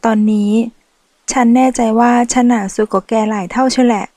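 A woman's voice: fairly high pitch, steady tone, a little fast, mellow, no room sound, close to an everyday voice. A woman reading a novel aloud, voicing a sassy, boastful transgender woman who manages loans at a bank. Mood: teasing. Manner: brash, teasing, boastful.

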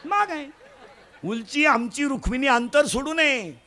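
A man from Maharashtra delivering a comic devotional sermon, animated, with loud bursts and mimicry of village folk. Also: very high-pitched, a little slow. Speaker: kirtan preacher.

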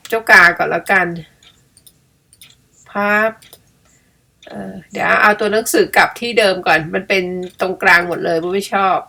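A middle-aged woman, chatty and playful, tells a personal story while editing pictures, laughing often at her own expense. Her medium-pitched voice is pushed and bright, with vocal fry and long pauses at a normal speed.

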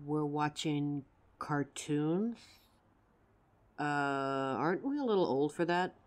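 A woman voicing a gentle young female werewolf girlfriend in an audio roleplay, speaking tenderly and slowly through a grounding exercise. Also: deep voice, expressive. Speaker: voice actor.

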